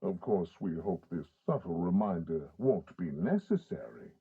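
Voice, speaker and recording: A man's voice: sits low, sing-song, normal speed, slightly rough. A man doing polished, theatrical voice-over for vintage radio commercials. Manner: polished, theatrical announcer delivery. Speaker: voice actor. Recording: muffled, band-limited old demo tape. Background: music beds.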